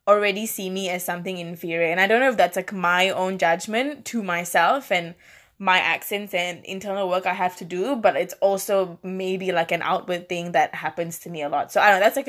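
A woman's voice: on the low side, a bit bright. A young woman from Malaysia with a Malaysian accent, chatting casually and swearing now and then, with many fillers. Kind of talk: casual chat.

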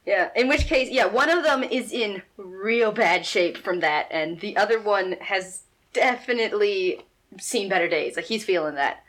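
A woman's voice: mid-range voice, normal speed, fairly bright tone. A woman casually running a tabletop role-playing game as game master.

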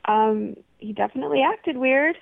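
A woman's voice: high-pitched, normal speed, creaky, no room sound. A woman calling in by phone, guarded and laughing as she talks. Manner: guarded, laughs while talking. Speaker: caller. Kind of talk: phone conversation on radio. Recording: tinny phone line.

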